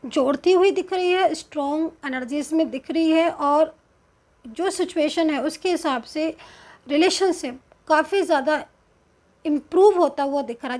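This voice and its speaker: High-voiced woman giving a slow tarot reading. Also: a little mellow. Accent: Indian. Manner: slow, hesitant, explanatory, with many fillers. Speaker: tarot card reader.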